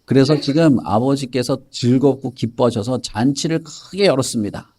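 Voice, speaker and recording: A man's voice: medium pitch, moderate pace, a little mellow, natural voice. A man reads a dutiful household servant in a children's Bible story. He speaks with formal, deferential politeness.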